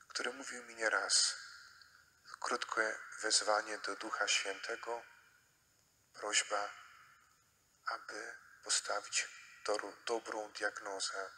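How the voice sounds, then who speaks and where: Slow, forceful priest preaching. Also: male voice, fairly low pitch, rough recording. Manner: solemn, measured, with deliberate pauses. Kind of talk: homily and Gospel reading at Mass. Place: inside a church.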